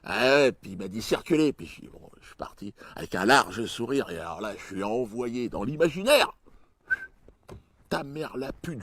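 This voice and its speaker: A man performing a stand-up comedy routine in a crude, mocking way, jumping suddenly in pitch and loudness. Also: dry recording.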